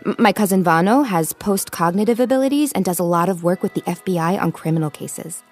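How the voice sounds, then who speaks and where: An actress playing a playful, confident young psychic tarot reader in an audio comedy, with an American accent and a teasing, dryly amused manner. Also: female voice, on the low side, fast, soft background music, lightly acted. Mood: assured. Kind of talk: audio drama comedy acting, conversational.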